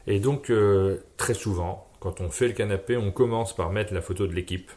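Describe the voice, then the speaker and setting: A man's voice: lowish voice, normal speed, darkish tone. A man hosting an interview show, asking questions and giving frequent affirmations. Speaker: podcast host.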